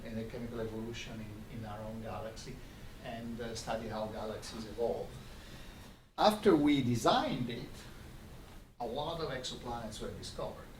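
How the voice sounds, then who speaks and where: A man giving an academic lecture with slides, explaining in a halting way and often repeating words. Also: mid-range voice. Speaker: visiting scientist giving a colloquium lecture. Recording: roomy, noisy lecture recording from far off.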